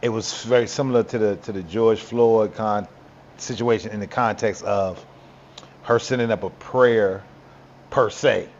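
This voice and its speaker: Halting, reflective podcast man. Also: on the low side, steady tone, a little mellow, muffled recording, a little hiss or hum. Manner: reflective, halting, searching for words. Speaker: podcast co-host. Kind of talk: casual political talk.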